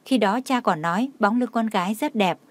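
A woman's voice: mid-range voice, normal speed, no room sound. Woman narrator with a dry close sound. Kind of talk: audiobook narration.

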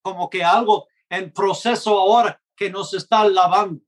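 A man preaching a gospel message in Spanish, which is not his first language, in a slow and earnest way, acting out short dialogues. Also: sits high, steady tone. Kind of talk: gospel sermon.

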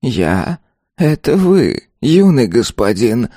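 A man voicing a tiny golden ghost servant who calmly and persistently needles his master, speaking in a hushed, drawn-out sing-song. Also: mid-range voice, gravelly, husky, no room sound, studio quality, pitched above the performer's own voice, full character voice. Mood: calmly needling. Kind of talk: audiobook character voice.

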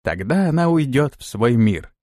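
A man voicing a dutiful female servant in an audiobook, speaking in a quiet, lifeless, slow voice. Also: mid-range voice, big pitch swings, no room sound, studio quality. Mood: solemn.

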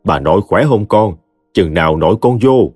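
A man's voice: deep voice, expressive, slightly rough, dry recording, soft background music. A man voicing a kind old great-granny. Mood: gentle. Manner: slow, gentle. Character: kindly elderly great-grandmother, soothing.

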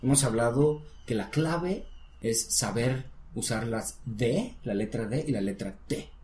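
A man's voice: medium pitch, unhurried, a little mellow. A man tutoring a student in English, explaining step by step in a patient, encouraging way. His voice sits in a middle register, and the room around him adds a noticeable echo. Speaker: English teacher. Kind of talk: one-on-one language lesson. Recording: roomy echo.

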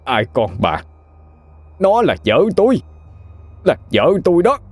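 A man's voice: on the high side, wildly swooping pitch, slow, dry recording, pitched above the performer's own voice, exaggerated voice. A man voicing a menacing young man possessed by a ghost. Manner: snarling, threatening.

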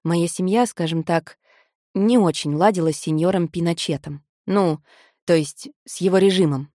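A woman putting on a calm, teasing young man. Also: fairly low pitch, normal speed, no room sound, clean studio sound, natural voice. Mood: relaxed. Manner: soft, easygoing, lightly amused. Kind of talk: audiobook character voice.

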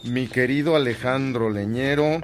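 A man acting in a radio drama as a kind, devout Catholic priest, speaking gently and earnestly. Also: mid-range voice, moderate pace, faint music behind, close to an everyday voice. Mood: gentle, forgiving.

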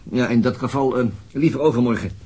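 A man's voice: medium pitch, brisk, warm tone, husky, lightly acted. A man with a Netherlands Dutch accent playing a sceptical, laconic police detective in a radio drama, terse and questioning. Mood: noncommittal.

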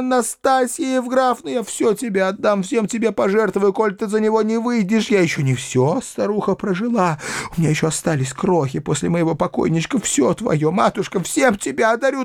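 A man's voice: gravelly, dry recording, clean studio sound. A man doing a shrieking hysterical old mother. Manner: wailing, high shrill pleading.

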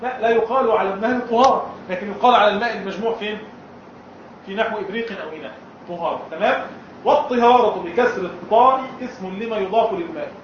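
Lecturer, male, higher pitch, recorded far off with a muffled sound. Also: fast talker, a little hiss or hum. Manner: asks students questions and answers them himself. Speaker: Islamic law teacher. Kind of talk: classroom lesson. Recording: echoey room, far from the mic, dull and muffled.

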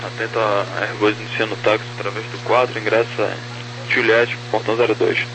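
A man's voice: on the low side, level tone, brisk, vocal fry. Man on noisy walkie-talkie ground frequency. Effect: over walkie-talkie style aviation radio. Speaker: ground controller. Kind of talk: procedural radio taxi instructions. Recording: noisy radio channel with hum.

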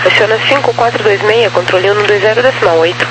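A Brazilian man working as an air traffic controller, giving procedural clearances over a radio transmission. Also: high-pitched, quick pace. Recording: noisy humming aviation radio channel.

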